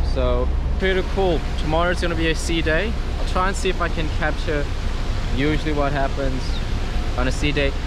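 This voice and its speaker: In a dry sound with no echo but noticeable background noise, a man talks at a moderate speed. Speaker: cruise ship fitness instructor. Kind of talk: casual vlog chat. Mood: relaxed, easygoing. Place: street. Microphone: phone near.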